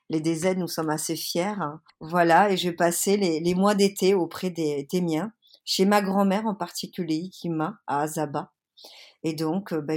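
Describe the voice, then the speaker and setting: A woman's voice: fairly low pitch, a little mellow. A woman from France, speaking earnestly and with many hesitations as an interview guest, slightly under the weather with a cold. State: has a cold. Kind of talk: casual interview.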